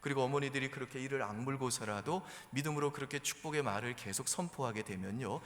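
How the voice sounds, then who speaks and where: A male pastor preaching in a relaxed, conversational storytelling way. His voice sits at an ordinary middle pitch. It rings out with long reverb in a church sanctuary. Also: fast. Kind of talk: sermon.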